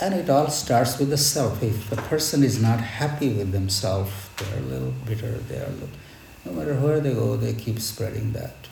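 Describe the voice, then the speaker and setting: A man giving a devotional Hindu sermon with prayer as a spiritual teacher, speaking in a measured, reverent and reflective way with deliberate pauses. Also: mid-range voice, gravelly, darkish tone. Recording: echoey space with background noise.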